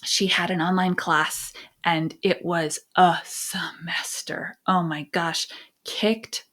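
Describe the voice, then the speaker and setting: A middle-aged American woman sharing personal stories and parenting advice as a podcast host, phrasing things emphatically with deliberate pauses. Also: on the low side, flat delivery, fairly bright tone. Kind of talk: conversational advice and personal storytelling.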